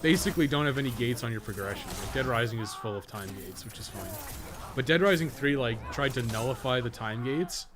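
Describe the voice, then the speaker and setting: A man's voice: medium pitch, lively intonation, a little fast. A man giving casual livestream commentary on a game, rambling and thinking aloud with blunt opinions and swearing. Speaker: game streamer and guide maker. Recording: clearly noisy background.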